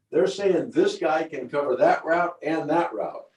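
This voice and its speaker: The speaker is a man. He talks at a moderate pace. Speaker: football coach. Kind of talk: tutorial.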